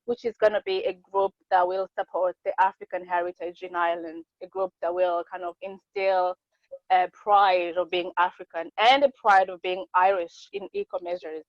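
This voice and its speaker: A woman's voice: lowish voice, normal speed, no room sound, highs cut off. Earnest French-native woman, late twenties. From Congo. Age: late 20s. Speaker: podcast guest. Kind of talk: casual conversation.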